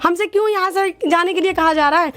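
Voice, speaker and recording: A woman's voice: extremely high pitch, fast. A woman interviewed in the street, speaking in an impassioned, pleading way. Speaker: riot victim interviewee.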